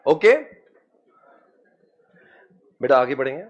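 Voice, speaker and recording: Lecturing commerce students at a slow pace and medium pitch, this man chants mnemonics and coaxes the class to repeat after him, teasing them as beta and friends. The highs in the recording are cut off, though his manner stays lively.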